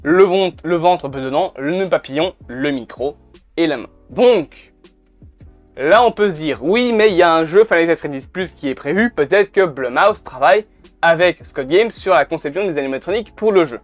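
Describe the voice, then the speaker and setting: A man's voice: on the high side, expressive, moderate pace. A man, chatting casually and bluntly to camera, swearing now and then. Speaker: YouTuber. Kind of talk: casual video commentary. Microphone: camera mic. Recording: faint background music.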